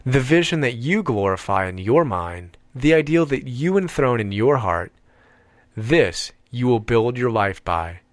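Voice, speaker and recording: A man's voice: medium pitch, sing-song, dry recording. Man narrating an audiobook, very dry sound. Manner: measured, deliberate phrasing with emphatic pauses.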